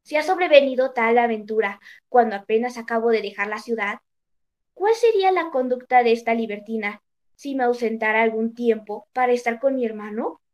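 A woman's voice: a little high, brisk, muffled recording, close to an everyday voice. A woman reading the lines of a grieving, betrayed king in a storybook tale, close to her own narrating voice. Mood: bitter. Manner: sober storybook reading of a king's words.

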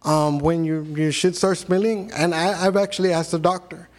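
A man's voice: on the high side, fairly even intonation, moderate pace. A man in his thirties, a podcast guest, telling blunt, profane stories in casual chat. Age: 30s.

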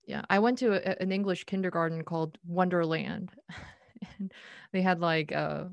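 A woman's voice: lowish voice, moderate pace, creaky, dry recording, muffled recording. A woman from South Korea whose first language is Korean, hosting a podcast in an upbeat casual chat.

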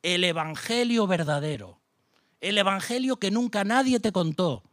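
A man's voice: sits high, animated, moderate pace, a bit bright, no echo, clean studio sound. A middle-aged man from Spain preaching a sermon with a Spanish accent, passionate, firing off rhetorical questions and mocking asides. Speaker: pastor.

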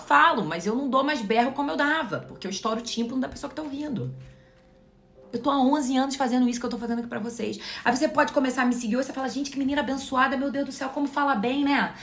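A young Brazilian woman speaking as a Christian mentor to her online followers, emphatic and direct as she preaches. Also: sits high. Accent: Brazilian Portuguese. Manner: emphatic and direct, preachy, addresses the viewer as "you". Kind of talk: motivational live-stream talk to followers.

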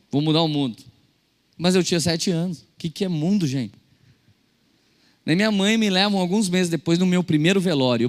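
A young adult Brazilian man preaching a sermon as a pastor, telling stories and acting out quotes, shifting between loud and soft. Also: high-pitched. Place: church service hall. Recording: church hall reverb.

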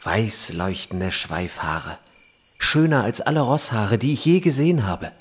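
Husky young warrior in love. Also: male voice, on the low side, big pitch swings, unhurried, exaggerated voice. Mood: tender, awed. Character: young Slavic would-be warrior, devoted, eager lover. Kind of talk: German audio drama acting.

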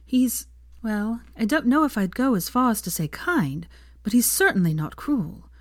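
A brisk, earnest young woman, patient but quick to bristle, read by a woman telling the story. Her voice sits a little higher than the narration. The recording is dry and close. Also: sing-song, no room sound. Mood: earnest, annoyed.

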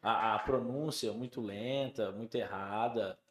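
Lively Brazilian chef telling stories. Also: male voice, on the low side, measured pace. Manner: animated storyteller, acts out quoted dialogue. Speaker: podcast guest, chef. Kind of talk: casual chat. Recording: roomy studio sound.

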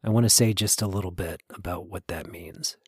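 A man with a husky, breathy voice narrating a scripted podcast introduction in a measured, earnest way. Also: deep voice, dry recording, clean studio sound. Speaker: podcast writer, producer and host.

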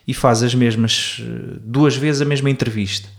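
A man's voice: mid-range voice, fairly even intonation, moderate pace, creaky. A man from the Azores with a European Portuguese accent, chatting casually in a reflective, slightly hesitant way. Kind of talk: casual chat.

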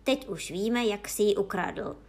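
A woman voicing a stout, strict male judge who thunders and shouts at the accused, in a children's story reading. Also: mid-range voice, vocal fry. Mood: hřímavý, rozhněvaný. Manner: hřímá, křičí na obžalovaného. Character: tlustý přísný soudce, hřmotný muž.

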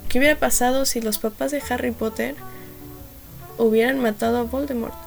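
A woman's voice: on the high side, steady tone, fairly quick, creaky, faint music behind. A young adult woman with a Mexican accent hosting a podcast, telling stories in a chatty, slangy way and acting out what people said. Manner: chatty and slangy, acts out quotes, laughs at her own jokes. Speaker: podcast host. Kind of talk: casual storytelling monologue.

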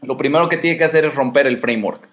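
This Mexican-accented man talks quickly in a medium-pitched, slightly bright voice while livestreaming from home. His casual dating advice comes across as crude, blunt and swaggering, loaded with slang and rhetorical questions.

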